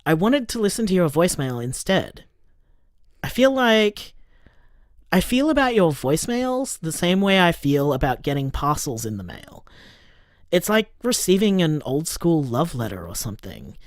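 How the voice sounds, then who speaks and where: A playful young gay man , acted by a woman, chats in an audio drama. The voice sits low for a woman and swings animatedly, close and dry. The delivery is teasing, informal and openly smitten. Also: sing-song, normal speed, no echo. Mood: affectionate.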